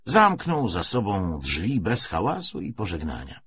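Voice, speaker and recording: Low-voiced, animated male audiobook narrator. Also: measured pace, breathy edge, dry recording. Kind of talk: expressive scripted narration of a novel. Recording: dull sound with faint noise.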